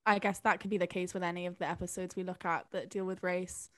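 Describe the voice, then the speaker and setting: A woman co-hosting a podcast in casual chat, soft-spoken and low-key. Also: flat delivery, fast talker. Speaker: podcast co-host.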